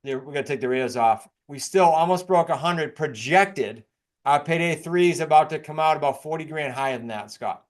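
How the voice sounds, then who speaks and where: A man from New England with an American accent, presenting case studies as an informal, fast-talking real estate coach. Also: on the high side. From New England, United States. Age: middle-aged or older.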